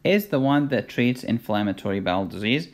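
An Egyptian-accented man narrates a medical lesson as a voice-over. His pitch sits in the middle range for a man. He teaches with emphasis, asks himself questions and slips in jokes. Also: expressive, fairly quick. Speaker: medical lecturer. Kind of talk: whiteboard medical lecture. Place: voice-over recorded for a drawn lecture video.

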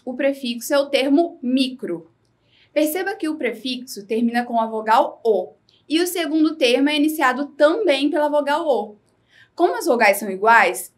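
Brazilian woman teacher, high voice, clear, patient, scripted lesson. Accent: Brazilian Portuguese. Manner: slow, clear, instructive delivery.

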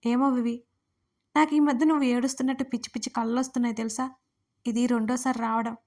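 A woman voicing a caring young man who gently teases and pleads with a friend in an audio story. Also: very high voice, level tone, fast talker. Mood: gentle teasing. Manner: pleading, soothing.

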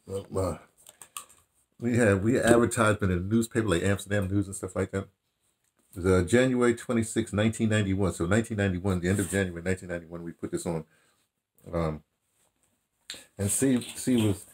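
An American man in his seventies with a husky voice, reminiscing casually to camera in a halting, digressive way, correcting himself as he goes. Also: on the low side, darkish tone. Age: 70s. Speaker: theatre director and radio dramatist recounting his career. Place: small furnished room indoors.

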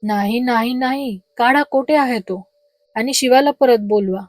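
Frantic grieving old mother voiced by a woman, shouting, high-pitched, dry close sound. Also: little pitch movement, slow, dry recording. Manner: cries out pleading demands.

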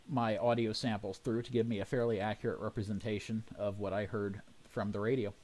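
A man with a fairly low voice narrates from a technical script. He speaks in a measured, explanatory manner, as an amateur radio hobbyist would. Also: a little mellow.

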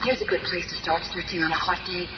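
An actress playing an earnest, protective young superheroine in 1970s radio drama, speaking emphatically on an old, noisy recording. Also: female voice, lowish voice, fairly even intonation, fast talker, highs cut off, natural voice. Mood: searching.

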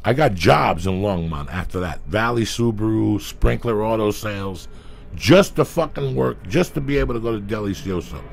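A middle-aged podcast host with a lowish, creaky voice tells animated, profane stories from his past at a moderate pace, acting out quotes in a casual storytelling chat. He's in a small studio, recorded on a studio mic with headphones.

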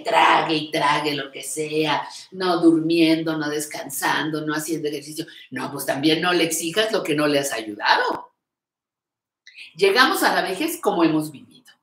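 An older woman hosts a live stream, reading viewers' comments aloud and answering them in an encouraging, affectionate way. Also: sits low. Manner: warm, encouraging, calls viewers "reina". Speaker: host of a live show on creative aging. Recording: echoey room.

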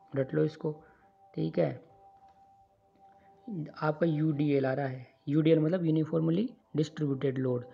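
On a screen recording, a man narrates an engineering lecture over handwritten notes, drilling formulas and checking in often with his students. His voice is fairly high, creaky and husky, and the recording's high frequencies are cut off.

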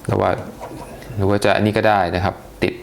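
A man's voice: on the low side, level tone, a little fast, vocal fry, a little hiss or hum. A man giving a casual, chatty unboxing review, talking with hesitations and many polite particles. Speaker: tech reviewer.

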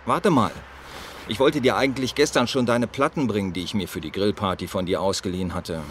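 A man's voice: lowish voice, fairly quick, close to an everyday voice. An actor playing a chatty, sociable family man in an audio drama. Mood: cheerful, friendly. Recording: clear street ambience noise.

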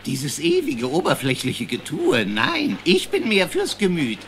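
A woman's voice: low-pitched, wildly swooping pitch, unhurried, a little hiss or hum, full character voice. A woman playing a grumbly, easygoing armadillo in a children's audio drama, folksy and wry.

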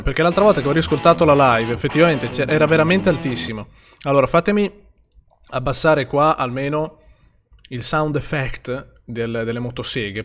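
Streaming a horror game let's play, a young man talks to chat in a slightly bright voice on the high side. He's jittery and swears as he goes.

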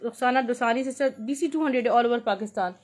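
A woman with a Pakistani accent hosting an informal live shopping sale, pitching repetitively and mixing in English words. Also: fast talker, a little mellow. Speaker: live-sale host selling clothes.

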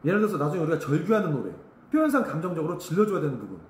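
Blunt male vocal coach lecturing at a rapid clip in an echoey studio, voice a touch high. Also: sing-song. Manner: blunt, emphatic, sings short demo phrases. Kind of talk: vocal lesson talk to camera.

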